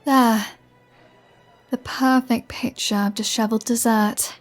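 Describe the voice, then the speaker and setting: A woman's voice: a little high, fairly even intonation, measured pace, soft background music, close to an everyday voice. A woman playing a flirty, sardonic vampire in an ASMR roleplay, teasing and sarcastic with a playful threat. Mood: impatient, teasing. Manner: teasing, sarcastic, conversational with sighs. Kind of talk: ASMR roleplay audio drama.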